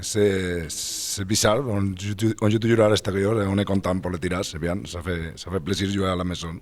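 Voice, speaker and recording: A man speaking for a club who gives a casual, halting reaction in an interview. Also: deep voice, level tone. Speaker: club representative.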